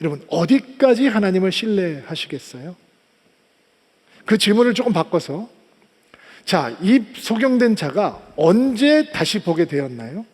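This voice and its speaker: Man, pastor, high voice, dramatic sermon, acts out story voices, soft closing prayer, long church reverb. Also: big pitch swings, unhurried, husky. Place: church sanctuary.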